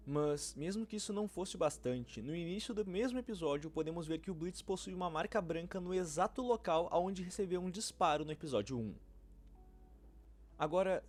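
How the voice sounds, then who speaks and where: A man with a Brazilian accent delivering scripted narration as a fan-theory video narrator. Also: sits high.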